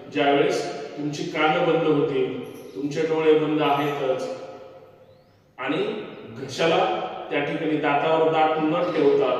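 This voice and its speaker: A man leading a yoga class through breathing exercises, giving calm step-by-step cues that drop almost to a whisper between rounds. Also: fairly high pitch. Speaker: yoga instructor. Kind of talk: guided breathing instruction. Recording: echoey hall recording from far off with faint noise.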